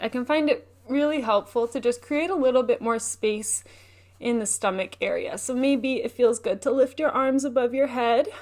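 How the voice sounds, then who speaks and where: A woman leading a guided meditation as a teacher, speaking in a gentle, unhurried, soothing way. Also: fairly high pitch.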